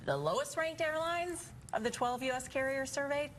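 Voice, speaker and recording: A woman's voice: sits high, normal speed, a little hiss or hum. An American woman anchoring morning news, reading stories and bantering playfully with a co-anchor in a studio. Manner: playful, expressive. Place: television studio.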